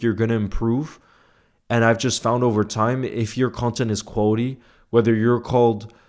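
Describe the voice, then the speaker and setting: He's a football fan streamer with a fairly low, somewhat mellow voice. On his casual livestream he reads out what viewers write and answers informally, repeating phrases for emphasis.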